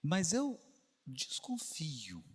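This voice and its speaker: A man's voice: a little high, wildly swooping pitch, extremely slow, breathy edge. A man giving a spiritist lecture, telling a story with rhetorical questions to the audience. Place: lecture hall. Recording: reverberant lecture hall.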